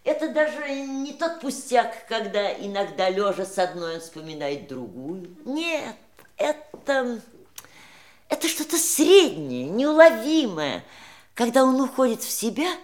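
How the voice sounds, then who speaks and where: An actress playing a dying man's wistful, sharp-witted mistress in an audio drama, theatrical and searching, with pointed irony. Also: a little high, very animated, measured pace. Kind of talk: stage-style audio drama acting.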